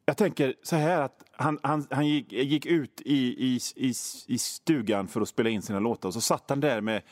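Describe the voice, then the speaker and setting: A man's voice: mid-range voice, dry recording, studio quality. A man hosting a radio show, rambling through a self-mocking comic monologue. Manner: rambling, self-mocking, many fillers and restarts. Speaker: radio host.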